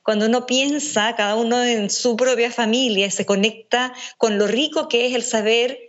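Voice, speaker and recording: A woman from Venezuela with an accent blended by years in Chile, explaining family nutrition in a measured, structured way as an interview guest. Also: on the high side, steady tone, lo-fi sound. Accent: Venezuelan mixed with Chilean. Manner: measured, structured, lists points. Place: speaking remotely from home.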